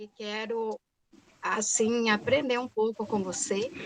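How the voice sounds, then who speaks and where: A woman speaks in a fairly high pitch with ordinary pitch variation, a normal speaking voice. The sound is dry and close, with no echo. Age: 60s. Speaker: student. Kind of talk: self-introduction.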